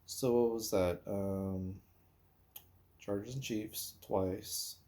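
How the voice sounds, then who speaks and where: A man talks casually about sports at a slow, unhurried pace. His voice is mellow and relaxed, and he rambles hesitantly, pausing as he thinks out loud like a solo podcast host. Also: fairly low pitch. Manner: rambling, hesitant, pauses while recalling and counting.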